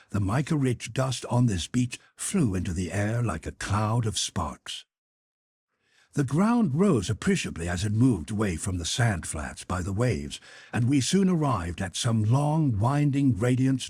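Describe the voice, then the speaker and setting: A man narrating a literary audiobook in a measured, expressive storytelling manner. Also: mid-range voice, husky, no echo, clean studio sound.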